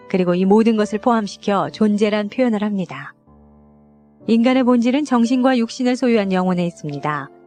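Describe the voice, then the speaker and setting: Music plays behind a woman who talks at a fairly quick pace, her fairly high pitch rising and falling with lively intonation. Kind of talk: audiobook reading.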